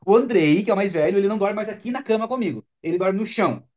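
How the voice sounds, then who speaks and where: Earnest man with a high voice. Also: animated, racing, a little mellow. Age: adult father. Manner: earnest, emphatic, repeats for stress. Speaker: speaker on autism parenting. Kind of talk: live stream talk. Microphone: webcam or phone on a live stream.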